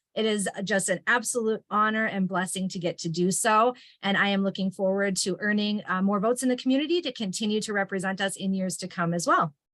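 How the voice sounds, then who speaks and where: A woman with an Upper Midwest accent at a fairly quick pace, ordinary pitch variation and hardly any pauses. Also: medium pitch for a woman. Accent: Upper Midwest American. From Minnesota, Lakeville. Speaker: politician. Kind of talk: candidate forum answers. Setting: video call. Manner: fast.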